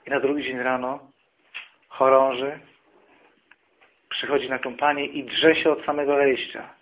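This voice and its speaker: A man's voice: medium pitch, little pitch movement, a little slow. Man preaching, personal testimony, voices other people in his stories, muffled sound, light background hiss. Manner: storytelling, acting out quoted people.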